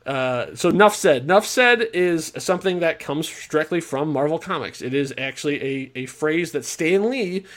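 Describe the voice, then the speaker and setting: A man's voice: fairly high pitch, expressive, moderate pace, hardly any pauses. A man co-hosting a podcast, talking casually and rambling with lots of restarts and fillers. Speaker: podcast co-host. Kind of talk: casual chat. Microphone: own remote podcast mic.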